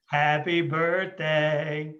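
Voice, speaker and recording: A man's voice: on the high side, flat delivery, very slow, fairly bright tone, dull audio. A man playing a tender, doting young coal miner father in folksy rural dialect at a script table read. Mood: playful tender.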